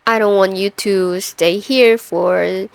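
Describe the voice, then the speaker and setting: Brief: stern female CEO woman acting, overworked, dryly menacing, measured and commanding, unhurried delivery, close dry studio sound, for an audio roleplay. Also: medium pitch, fairly even intonation, vocal fry, no room sound. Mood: weary, businesslike.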